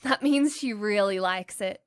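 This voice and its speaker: A woman voicing a gentle, polite young child in a cartoon. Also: mid-range voice, measured pace, smooth, no echo, clean studio sound, close to an everyday voice. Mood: gentle, reassuring. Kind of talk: cartoon voice acting.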